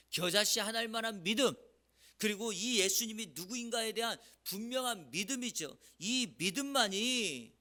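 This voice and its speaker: A male pastor delivers an early-morning sermon in a church. His voice sits high and rings with a bright, forceful edge. He keeps questioning the congregation with emphasis.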